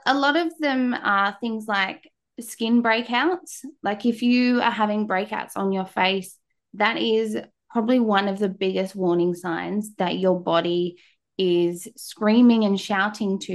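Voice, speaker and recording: A woman's voice: mid-range voice, unhurried. A woman in her thirties from Australia with an Australian accent, a chatty guest explaining things on a podcast. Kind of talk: casual podcast interview.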